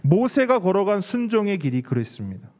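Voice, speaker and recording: A male pastor delivers a sermon in a fairly high, very animated voice. He poses questions to the congregation and drives key words home by repeating them. His voice rings through a large hall with long reverb. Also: brisk. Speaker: pastor preaching at a church service.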